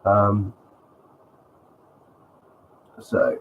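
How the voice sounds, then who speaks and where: A man's voice: fairly low pitch, expressive, extremely slow, phone-quality sound, slight background noise. A man with a cold, sounding sniffly, hosting a live stream and talking through slides in a rambling way with many ums. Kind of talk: casual live commentary on slides.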